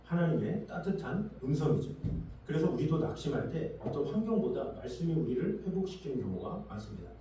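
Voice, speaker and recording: A man's voice: a little high, dark tone, a little hiss or hum. A male pastor preaching a Sunday sermon, asking the congregation questions and acting out quoted voices. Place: church sanctuary. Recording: echoey church hall, distant mic.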